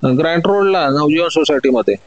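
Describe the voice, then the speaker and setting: A man's voice: a little high, fairly quick, no echo, highs cut off, lightly acted. A man voicing a brash young male diamond broker who lies and flares up defensively. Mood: evasive. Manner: loud, defensive outbursts.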